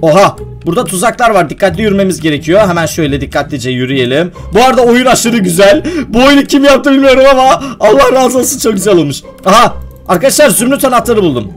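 A young man playing a video game and commenting to his viewers, excitable and quick to get worked up when the game goes wrong. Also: high-pitched, faint music behind. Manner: excitable, addresses viewers as friends, gets worked up at traps. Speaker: gaming YouTuber.

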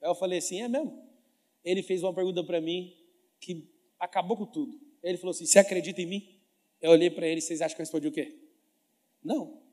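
Emphatic high-voiced Brazilian man in a hall. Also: fairly even intonation, fast talker, warm tone. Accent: Brazilian Portuguese. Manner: emphatic, fires questions at the audience. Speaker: motivational speaker. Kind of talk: motivational stage talk.

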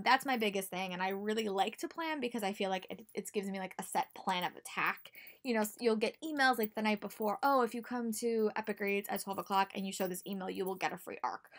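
A woman's voice: medium pitch, a bit bright. A young American woman giving casual, chatty advice to camera in a small room at home, speaking emphatically and repeating words for stress. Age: young adult. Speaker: book vlogger.

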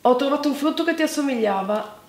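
A woman's voice: sits high, quick pace. A young woman hosting in a casual, playful, exclamatory way, chatting in a room at home. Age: young adult. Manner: animated, exclamatory. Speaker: video host playing a lip-reading game. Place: home living room with staircase, indoors. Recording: echoey room with background noise.

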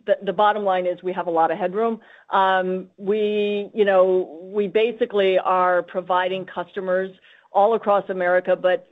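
A woman speaking as a company executive on an earnings conference call. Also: medium pitch. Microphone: conference call line. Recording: tinny, band-limited conference call line.

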